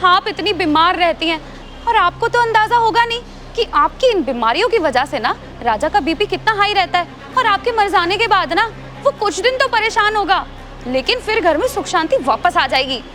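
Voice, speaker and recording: A woman's voice: very high voice, animated, moderate pace, fairly bright tone, soft background music. An actress playing a bold young woman who insists and schemes, in a web drama. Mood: scheming. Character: young scheming woman, daughter-in-law or niece.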